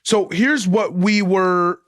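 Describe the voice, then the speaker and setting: Passionate man, slightly high voice. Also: a bit bright, dry recording. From United States. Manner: passionate, drawn-out emphasis, says "dog" and "man". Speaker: guest musician. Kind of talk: casual podcast conversation.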